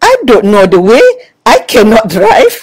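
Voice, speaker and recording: A woman's voice: medium pitch, wildly swooping pitch, slow pace, a little mellow, voice pushed up, exaggerated voice. A woman voicing a small girl of about four who speaks in a blunt, literal way.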